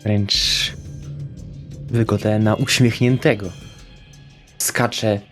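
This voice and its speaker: Guy w a lowish voice playing his character in an rpg, kinda halting, music faint in the back. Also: fairly even intonation, a bit bright. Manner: halting, describes his actions in first person. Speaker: player. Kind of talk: first-person roleplay in a tabletop game.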